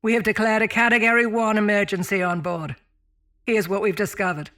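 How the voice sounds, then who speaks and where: An actress playing a brisk female mining chief and officer on a spaceship, giving formal log reports in a sci-fi audio drama. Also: mid-range voice, fairly even intonation, a bit bright, close to an everyday voice. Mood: grave, urgent. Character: brisk woman mining chief turned acting captain of spaceship. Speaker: voice actor.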